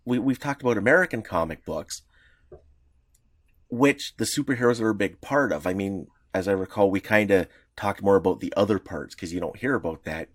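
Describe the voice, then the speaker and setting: A man co-hosts a casual podcast with a fairly low voice. He explains things in a rambling way, often stopping and restarting. The recording is close and dry. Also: dry recording. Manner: rambling, halting, many restarts. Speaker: podcast co-host.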